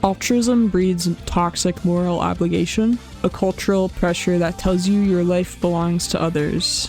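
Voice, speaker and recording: Over music in the background, a woman with a fairly low voice speaks at a moderate pace with fairly even intonation. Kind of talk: video essay narration. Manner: drowsy, monotone at times.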